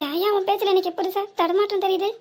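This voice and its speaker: A woman's voice: extremely high pitch, flat delivery, fast. A woman voicing a worried, tender older mother in a cartoon comedy, with a southern Tamil Nadu accent and a pleading, self-reproaching way of talking. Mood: pleading, remorseful.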